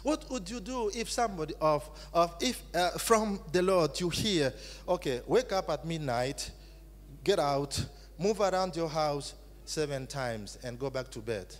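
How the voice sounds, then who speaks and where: Male preacher, high and animated, slow deliberate phrasing, swings from shouting to hushed, long hall reverb. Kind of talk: sermon in English with live interpretation. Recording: echoey hall.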